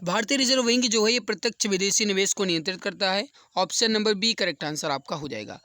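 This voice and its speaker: A man's voice: sits high, fast talker, pushed and bright, no room sound, studio quality. A man explaining quiz questions as an exam coaching teacher, repeating key answers for emphasis.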